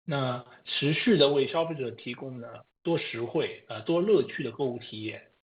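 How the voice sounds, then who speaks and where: Halting male executive on a muffled call. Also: medium pitch. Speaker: company executive. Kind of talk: formal answers to analysts. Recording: dull lo-fi conference line.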